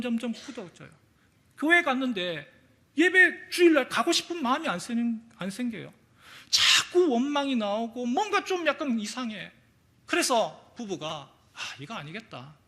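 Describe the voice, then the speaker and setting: Male pastor, sermon delivery; lively, swooping pitch, storyteller who acts out quotes. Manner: animated storytelling, acting out quotes. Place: church sanctuary.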